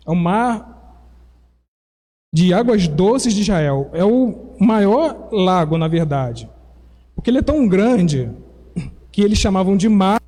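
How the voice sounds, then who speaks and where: A man's voice: sits high, mellow. A man from Brazil, preaching a sermon and explaining things step by step in a teacherly way. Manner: explanatory, teacherly, with self-corrections. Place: church. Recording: long reverb of a church hall.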